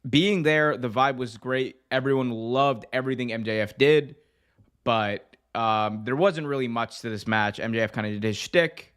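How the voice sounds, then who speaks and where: Animated man in casual wrestling talk. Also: mid-range voice, normal speed, smooth. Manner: animated, breaks into mocking impressions. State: voice strained. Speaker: podcast co-host.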